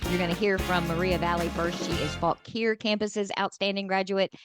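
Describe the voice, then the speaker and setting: A woman's voice: fairly low pitch, level tone, normal speed, loud music behind the voice. A woman hosting a radio show, chatting with a guest over a video call and asking friendly questions.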